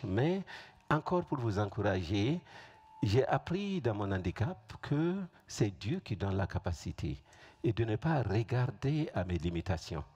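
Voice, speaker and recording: A man with a West African accent and Fulfulde as his first language speaks to a congregation as a guest pastor. His voice is fairly low and distinctly husky. He preaches informally and conversationally, often checking that his listeners follow. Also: darkish tone. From Burkina Faso.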